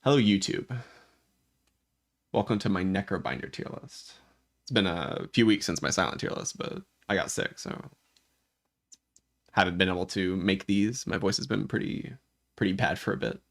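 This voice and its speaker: A gravelly, low-voiced man with a worn voice. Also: moderate pace, long pauses. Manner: rambling, restarts often, thinks aloud. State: voice worn from illness, occasional coughs. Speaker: gaming YouTuber. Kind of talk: casual commentary while ranking game cards.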